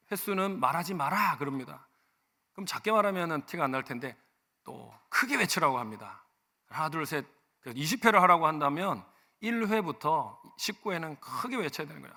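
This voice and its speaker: A man preaching in a church sanctuary, his slightly high voice bright and forceful. He talks conversationally, telling personal stories and swinging from hushed asides to loud, emphatic lines. A long church reverb trails behind every phrase. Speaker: senior pastor. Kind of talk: sermon.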